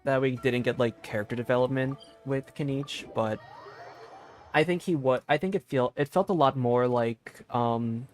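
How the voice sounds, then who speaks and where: A man's voice: mid-range voice, normal speed, faint music behind. A man giving casual live gaming commentary as a streamer, informal and thinking aloud in a meandering way. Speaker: game streamer.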